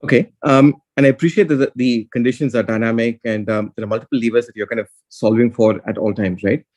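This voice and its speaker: A man's voice: mid-range voice, steady tone, fast talker, a little mellow. A man speaking as a financial analyst, putting polite, probing questions on an earnings call.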